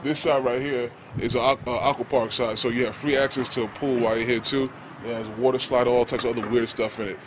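A man's voice: medium pitch, fairly even intonation, fast talker, hardly any pauses. A young man giving a casual, joking walk-through tour in informal slang, recorded on a handheld camera. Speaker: vlog host giving a facility tour. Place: on the move outdoors, in a locker room and in a large indoor pool hall. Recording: noisy handheld camera, heavy ambient noise.

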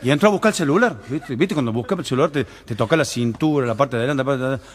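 A male comedian from Córdoba with a Cordobés Argentine accent, telling drunk jokes in an animated way and often tagging lines with "¿viste?". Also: mid-range voice, racing. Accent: Cordobés Argentine Spanish. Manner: animated storyteller, slurring drunk impressions, frequent "¿viste?". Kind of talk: stand-up joke telling with audience laughter. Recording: noisy live recording.

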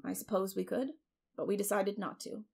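Sensible older female guardian, read by a woman narrator: firm, dry delivery, fry-edged, unhurried storybook character. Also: medium pitch, steady tone. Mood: dry, resolute. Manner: dry, measured.

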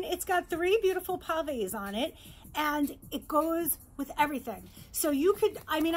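A middle-aged woman from New York, a jewelry designer, presenting her bracelets in a bright, chatty sales pitch in her showroom, close to the camera. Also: a little hiss or hum. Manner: upbeat, chatty sales pitch, holds up pieces. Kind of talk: virtual trade show product presentation. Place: indoor showroom with jewelry displays.

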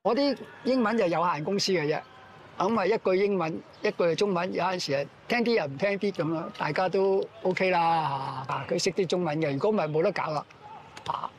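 A man's voice: high voice, fairly quick, slight background noise. A man in his late sixties from Hong Kong, a native Cantonese speaker with a Hong Kong accent, chatting casually outdoors. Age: late 60s. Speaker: amateur football player interviewed. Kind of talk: casual chat. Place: outdoors at sports ground.

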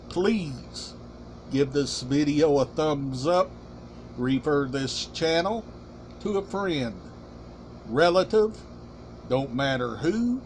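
A middle-aged man hosting a casual collection vlog, talking deliberately in short, halting, emphatic phrases. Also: a little high, slight background noise. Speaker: collection channel host. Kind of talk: casual show-and-tell vlog. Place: small room indoors.

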